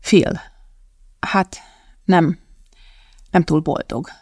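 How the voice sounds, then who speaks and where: An anxious, pleading male producer, voiced by an audiobook reader, fretting over every word. The voice has a gravelly grain. It is recorded close and dry. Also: mid-range voice, darkish tone, no room sound. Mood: worried. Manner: worried and pleading. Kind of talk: audiobook character voice.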